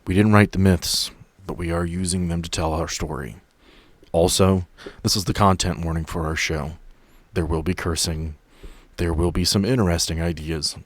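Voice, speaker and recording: A man's voice: deep voice, fairly even intonation, moderate pace, no room sound. A man hosting as game master, talking casually. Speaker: game master and podcast host. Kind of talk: casual chat.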